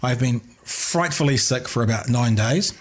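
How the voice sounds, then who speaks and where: A man hosting a casual live radio interview, chatty and rambling, slightly husky after an illness. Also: mid-range voice, normal speed. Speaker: radio host.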